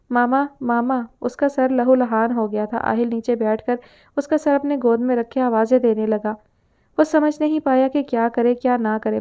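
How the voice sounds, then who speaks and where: Woman narrating a novel, smooth voice. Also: on the high side. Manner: steady storytelling read. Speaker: audiobook narrator. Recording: narrow phone-like sound.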